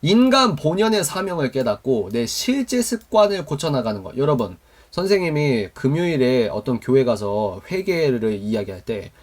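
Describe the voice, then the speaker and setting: A man's voice: medium pitch, big pitch swings, normal speed. A man teaching a Christian youth mentoring lesson, quizzing his listeners with call-and-response questions. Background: live online stream to viewers.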